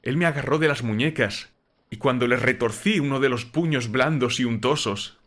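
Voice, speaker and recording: A man's voice: medium pitch, normal speed, fairly bright tone, close to an everyday voice. A man playing a young ex-soldier servant in a dramatized horror audiobook, frightened yet defensive and deferential to his master. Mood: shaken, horrified. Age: young adult. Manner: deferential, repeatedly addressing his master as sir.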